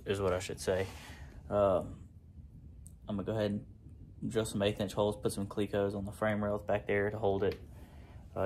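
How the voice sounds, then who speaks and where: Easygoing shop guy, lower voice, chatty and unpolished, explaining his build. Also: a little hiss or hum. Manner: relaxed, rambling, with many fillers. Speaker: fabricator and channel host. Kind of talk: casual shop vlog. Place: garage workshop.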